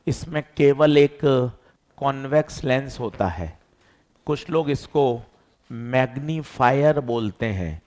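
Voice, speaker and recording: A man teaching physics, lively, asking students questions and answering them himself. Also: medium pitch. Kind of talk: classroom lecture.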